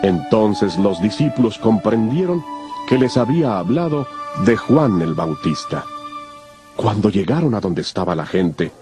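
A man narrating scripture from a script in a solemn, measured manner. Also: lowish voice, sing-song, music in the background.

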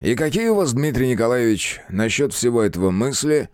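A man voicing a stern, brisk male police official who speaks curtly and with authority. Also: mid-range voice, animated, a little mellow, dry recording, clean studio sound, voice pushed up, natural voice. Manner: curt, authoritative.

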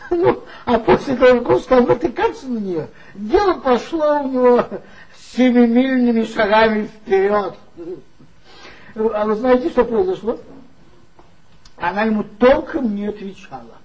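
A man's voice: high voice, darkish tone, dull audio. An actor playing a tipsy former magazine worker who mockingly gossips about his old boss in a 1960s radio play. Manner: gossipy, mocking, confiding storyteller.

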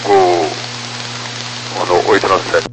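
A man's voice: sits low, little pitch movement, takes it slowly. A male airline pilot giving procedural readbacks over the radio. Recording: noisy humming aviation radio.

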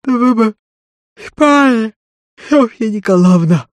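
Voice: mid-range voice, expressive, slow pace, dry recording, voice pushed up. A narrator voicing a bossy old peasant servant woman who scolds and grumbles in a folksy, raised voice. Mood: scolding.

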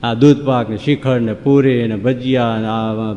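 Man, devotional preacher, folksy rhythmic lists, mid pitch, long hall reverb. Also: steady tone, normal speed, dark tone, muffled recording. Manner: folksy, rhythmic listing, rising exclamations. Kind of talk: devotional discourse.

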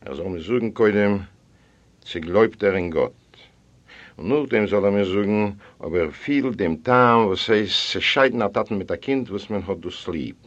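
A man reading a story aloud in the first person, expressive and swinging between hushed and loud passages. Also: fairly low pitch, normal speed. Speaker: audiobook reader. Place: library recording room. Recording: dull lo-fi audio.

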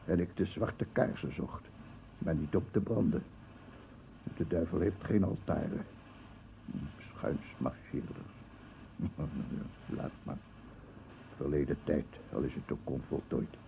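An actor playing a weary, guilt-ridden writer who mutters to himself in halting, broken phrases in a radio drama. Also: male voice, very deep voice, dark tone, a little hiss or hum, heavily acted. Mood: wistful, bitter. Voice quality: husky, gravelly. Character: brooding, weary male writer tormented by guilt. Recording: muffled, phone-like archive radio recording.

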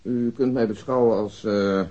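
An actor playing a polite, dry, methodical police detective with a businesslike manner in a radio drama. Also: male voice, fairly low pitch, steady tone, a little slow, dark tone, lightly acted. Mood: polite, calm. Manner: businesslike, unruffled. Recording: dull lo-fi old radio recording.

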